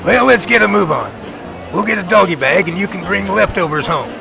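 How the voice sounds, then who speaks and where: A man's voice: sits high, expressive, fairly quick, over music, exaggerated voice. An actor playing a folksy, sensible man who dryly teases his friend in an audio drama. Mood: easygoing. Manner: dry, folksy teasing. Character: folksy sensible man, wryly teasing his sweet-toothed pal. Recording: clear outdoor and car noise.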